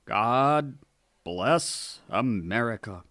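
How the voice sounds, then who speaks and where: A man's voice: medium pitch, animated, drawn-out words, fairly bright tone, no room sound, clean studio sound, exaggerated voice. A man playing a smug, self-righteous conservative Christian activist with pompous delivery in a satirical radio drama. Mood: brazenly smug.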